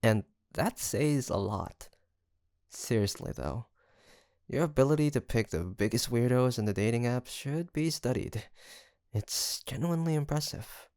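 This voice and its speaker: A sweet young male roommate, acted by a man in an intimate audio roleplay. His voice has a creaky edge and swings with lively pitch as he teases his best friend. The sound is dry and close. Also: a little slow, no echo. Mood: amused, teasing. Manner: teasing, chuckling, mock-grandiose storyteller.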